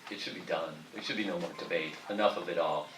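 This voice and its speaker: A man's voice: low voice, fast talker, a bit bright, faint music behind. A man answering emphatically as a candidate in a political debate. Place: debate hall. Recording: echoey hall from far off.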